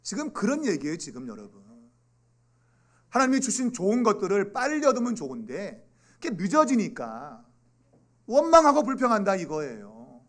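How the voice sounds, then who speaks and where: A man preaching a sermon to children in a church, lively and animated, acting out quoted voices and dropping to quiet asides. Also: high voice, normal speed. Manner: animated, acts out quoted voices, rising and dropping to near whispers. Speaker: pastor. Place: church sanctuary.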